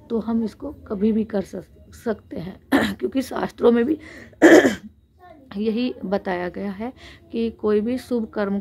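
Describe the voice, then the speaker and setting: An Indian woman giving an explanatory Hindu religious discourse, speaking earnestly and unscripted with pauses, her throat a little sore. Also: mid-range voice, vocal fry, warm tone. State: sore throat with frequent throat clearing.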